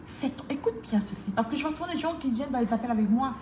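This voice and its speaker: Woman motivational coach, mellow and fairly high voice, emphatic preaching cadence, roomy echo with faint hiss. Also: animated, fast. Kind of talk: motivational talk addressed to the viewer. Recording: echoey room with faint noise.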